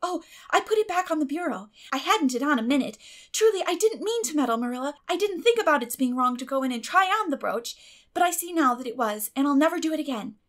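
Little girl played by a woman, high-pitched, earnest, dramatic, solemnly protesting, classic audiobook character. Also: animated, fast talker, a bit bright. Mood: apologetic, eager. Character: earnest, dramatic little orphan girl, defiant yet meek.

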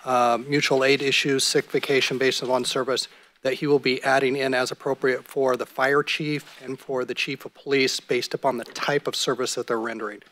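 A middle-aged man gives a city attorney's report in measured legal language. His pitch stays very level and even throughout, and he speaks into a desk microphone on the council dais. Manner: measured, formal legal phrasing.

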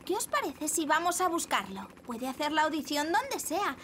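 A woman playing a gentle, caring ambulance in a Spanish-dubbed children's cartoon, kind and encouraging. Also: high-pitched, very animated, moderate pace, slight background noise, heavily acted. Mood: kind, earnest. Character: gentle, caring female ambulance rescue hero.

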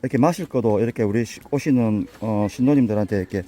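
An older man with a Busan accent, hoarse and a bit winded, chatting folksily as he walks a mountain path for his vlog. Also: fairly low pitch, fast, warm tone, a little hiss or hum. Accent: Busan Gyeongsang dialect. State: out of breath from climbing. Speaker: vlogger touring local alleys. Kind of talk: casual walking vlog.

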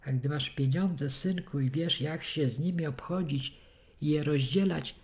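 A woman's voice: low-pitched, measured pace, a little mellow. A woman voicing a boastful, cunning male convict who leads a plot, talking coarse and swaggering.

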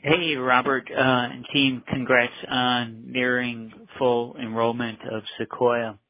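A man's voice: medium pitch, level tone, slow. A man with a mid-range voice asks questions as an analyst on an earnings call. He is polite and fairly informal. The audio is thin and phone-like. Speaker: financial analyst caller. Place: conference call. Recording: tinny phone line.

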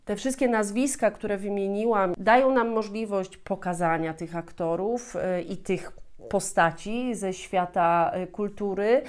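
A woman's voice: mid-range voice, unhurried, a little mellow. A woman in her thirties giving an explanatory talk as a teacher, often repeating and rephrasing as she goes. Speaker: host, Polish language teacher. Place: small furnished room at home, indoors.

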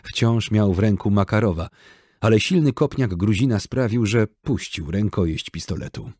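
A man reading an audiobook in steady, measured scripted narration. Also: lowish voice, husky, no room sound, clean studio sound.

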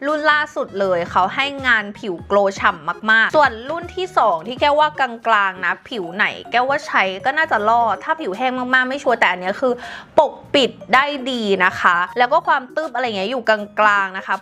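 A woman's voice: a little high, pushed and bright. A woman in her thirties, chatty and enthusiastic, giving a casual makeup review as a vlogger at home. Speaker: beauty vlogger. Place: home, near a window where a lawn mower is heard.

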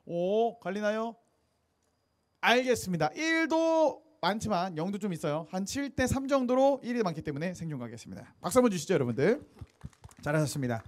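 A man's voice: sits high, lively intonation, brisk. A young man with a cold, hosting a night street singing show on a handheld mic and hyping up the crowd. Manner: upbeat, hypes the audience. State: has a cold. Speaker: street busking show host. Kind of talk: lively emcee patter to a crowd. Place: outdoor night street stage.

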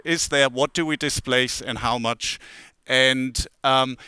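Bright, clear-voiced man giving a conference talk. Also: mid-range voice, no room sound. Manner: conversational, many fillers and restarts, self-deprecating asides. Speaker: conference speaker. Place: conference hall, standing at a lectern.

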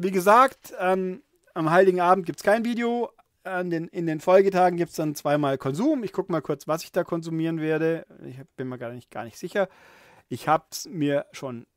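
A man's voice: fairly high pitch, dry recording, clean studio sound. A man hosting a podcast alone, reading a viewer's letter aloud and commenting in a casual way, with many fillers and restarts. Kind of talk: casual solo chat.

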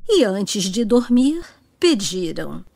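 A woman's voice: mid-range voice, sing-song, slow pace, creaky, darkish tone, faint music behind. A woman with a Brazilian accent narrating a storybook for children.

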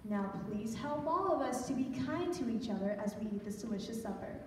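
A woman playing a patient, gentle 1940s mother in a stage radio play. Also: a little high, lively intonation, a little fast, natural voice. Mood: prayerful. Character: patient, hard-working widowed 1940s mother. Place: large church auditorium, recorded from the audience. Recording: echoey hall from far off, faint noise.

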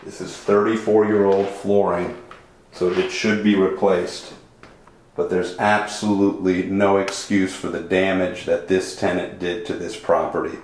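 Filming an inspection indoors, a realtor narrates his tour of empty townhouse rooms in short, unimpressed comments. He speaks low and flat without hurrying, caught by a handheld camera microphone amid echo and faint background noise.

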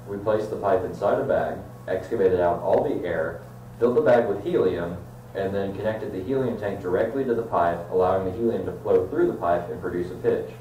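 A man's voice: low voice, dark tone, highs cut off. A young man presenting a scripted science explainer to camera, recorded indoors from a few feet away. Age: young adult. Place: indoor room in front of a whiteboard. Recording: distant, echoey room mic with hum.

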